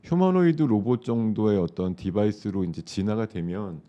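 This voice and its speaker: Low, dark-voiced man with a sore throat. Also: moderate pace, highs cut off. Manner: explanatory, loose and conversational, with many fillers. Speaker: stock market commentator. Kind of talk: live market talk show chat.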